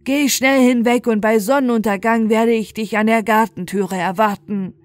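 Woman acting a stern, loud old sorcerer. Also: a little high, steady tone, moderate pace, faint music behind, close to an everyday voice. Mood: stern, threatening. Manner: commanding, threatening, emphatic. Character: stern, menacing old male sorcerer and slave master.

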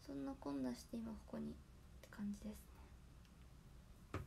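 A hoarse young woman chatting casually on her livestream, thanking viewers by name for their gifts. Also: on the high side, normal speed, dark tone, a little hiss or hum. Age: young adult. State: hoarse after a nap. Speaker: idol livestreamer.

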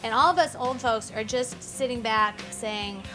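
A woman's voice: a little high, normal speed. A middle-aged woman talking casually in an interview about her community. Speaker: community member. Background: background music.

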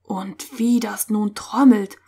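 A woman's voice: mid-range voice, fairly even intonation, takes it slowly, gravelly, mellow, slightly rough, heavily acted. A woman voicing a timid, always-anxious boy in a Christian story for children, speaking fretfully. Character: timid, always-fearful boy nicknamed Pummel.

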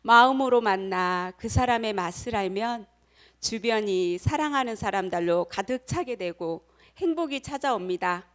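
A woman's voice: medium pitch, moderate pace, fairly bright tone. A middle-aged woman giving a motivational lecture, telling a personal story and speaking directly to her audience. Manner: acts out quoted voices.

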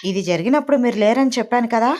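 A woman voicing a patient grown son who calmly explains family news in a home drama story. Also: on the high side, quick pace, close to an everyday voice. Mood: explaining.

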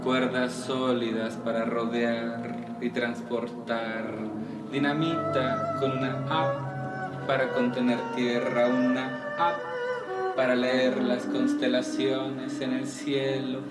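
A man in his thirties giving an incantatory poetry reading in measured, drawn-out phrases. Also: mid-range voice, level tone. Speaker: poetry reader. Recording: echoey, distant voice under loud music. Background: loud cello music.

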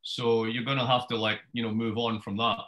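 A Scottish man in his fifties giving a wry, brisk book talk over a video call from his home study. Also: medium pitch. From Scotland. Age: 50s. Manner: brisk, wry storyteller with lively gestures. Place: home study with bookshelves, indoors. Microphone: webcam video call.

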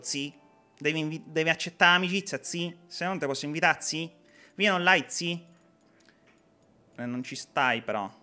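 A man's voice: mid-range voice, bright, forceful tone. A young man hosting a live gameplay stream, chatting and reading viewer comments in a jokey way. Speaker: game streamer.

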